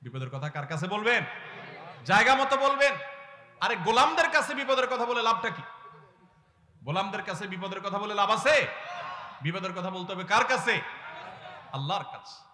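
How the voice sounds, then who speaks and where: Bright-voiced impassioned man preaching, echoing. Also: high voice, big pitch swings, normal speed, long pauses, slight background noise. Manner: impassioned, rhetorical questions, swells from soft pleading to loud exhortation. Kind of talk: Islamic sermon to a gathering. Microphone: public address microphone. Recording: echoey long reverb through loudspeakers.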